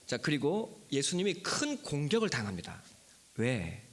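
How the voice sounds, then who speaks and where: A male pastor preaching a sermon to his congregation, retelling a Bible story and acting out its characters, sometimes dropping to a hushed whisper. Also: fairly high pitch, wildly swooping pitch, measured pace. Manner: emphatic preaching that drops to a hushed whisper for key words; addresses the congregation directly. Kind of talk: Easter sermon.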